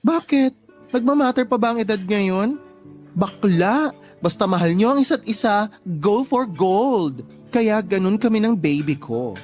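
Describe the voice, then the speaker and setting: An actor playing a sassy, lovestruck young gay person in a Tagalog radio drama, with campy, expressive delivery. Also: male voice, high voice, measured pace. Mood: sassy, teasing. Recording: music bed behind the voice.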